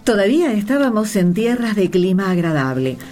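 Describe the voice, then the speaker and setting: A woman's voice: mid-range voice, sing-song, moderate pace, darkish tone, lightly acted. A woman with an Argentine accent playing an emotional narrator remembering a journey of faith in a radio play. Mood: reflective. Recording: music under the voice.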